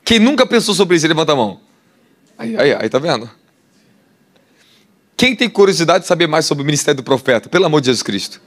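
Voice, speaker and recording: Brazilian male preacher, fairly high voice, lively sermon delivery with crowd questions. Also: quick pace, long pauses. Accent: Brazilian Portuguese. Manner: animated, asks the crowd questions, laughs often. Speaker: apostle preacher. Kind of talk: sermon teaching.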